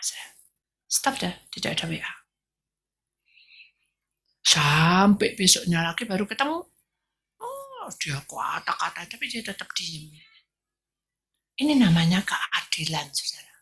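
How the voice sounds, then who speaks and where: A woman pastor preaching a sermon in a storytelling way, swinging from loud bursts to near whispers. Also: fairly low pitch, slightly rough.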